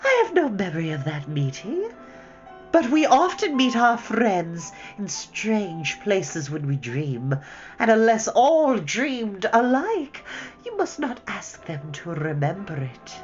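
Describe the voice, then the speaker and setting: A sweetly menacing enchantress queen, as a woman reader puts her on speaks in a high, slow, lilting voice that coaxes and mocks. Her pitch swings widely. The audio is a little dull, with soft music underneath. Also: very animated. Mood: coaxing.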